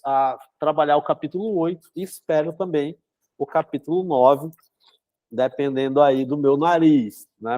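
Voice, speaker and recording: A man's voice: on the high side, a little mellow, dry recording. A young man, congested with a cold, hosting a book club in a chatty, casual way and often adding "né?". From São Luís, Brazil. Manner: chatty, filler-heavy, frequent "né?". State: congested with a cold, runny nose. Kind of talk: casual live-stream talk and reading aloud.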